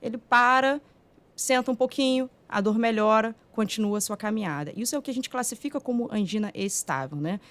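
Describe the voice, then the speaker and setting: A woman cardiologist with a Brazilian Portuguese accent, calmly and methodically explaining heart disease in a podcast studio. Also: fairly high pitch, fairly quick, dry recording. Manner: calm, methodical explaining with frequent "né". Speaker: cardiologist guest. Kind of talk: explanatory medical talk.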